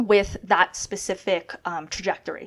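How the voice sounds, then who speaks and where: A woman with a Canadian accent speaks at a fairly slow pace in an ordinary speaking voice, her pitch medium. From Canada. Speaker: law student podcast co-host. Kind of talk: casual chat.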